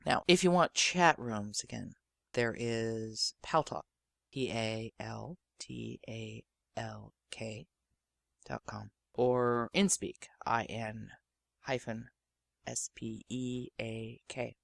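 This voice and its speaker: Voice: medium pitch, fairly even intonation, slow pace, vocal fry, fairly bright tone, dry recording. A podcast host giving spoken commentary directly to listeners.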